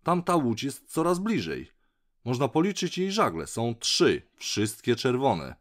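A worried duck frets in a high, lifted voice , as a man narrator puts her on. Her words leap up and down with lively swings. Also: unhurried. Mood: anxious. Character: fretful female duck, high-pitched.

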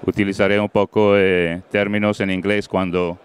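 A middle-aged man from Colombia presenting on a conference stage into a handheld mic, halting often with fillers and slipping into English words. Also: low voice, little pitch movement, smooth. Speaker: panel moderator. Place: large event stage.

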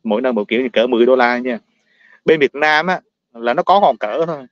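A man's voice: medium pitch, lively intonation, quick pace, dry recording, lo-fi sound. A man from Vietnam with a Southern Vietnamese accent, talking casually and bluntly to his viewers, ranting, repeating words and laughing often.

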